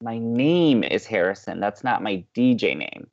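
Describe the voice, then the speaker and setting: A man's voice: fairly low pitch, expressive, a little slow, gravelly, darkish tone, dull audio. A man playing an upbeat, playful young college radio co-host with an American accent, teasing and eager, in audio drama banter. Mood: earnest. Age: young adult.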